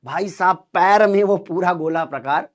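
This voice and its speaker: A man telling students a story in an animated, dramatic way, acting out the dialogue. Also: high voice, moderate pace. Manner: lively, dramatic, acts out dialogue.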